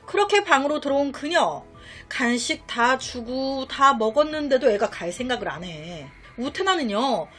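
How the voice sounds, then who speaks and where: A woman's voice: sits high, fairly bright tone. A woman telling a crime story in a chatty way, with rhetorical questions and asides on what happens.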